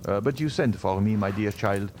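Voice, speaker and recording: A man voicing a gentle, kindly middle-aged doctor, speaking slowly and soothingly. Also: on the low side, slight background noise, lightly acted. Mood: calm.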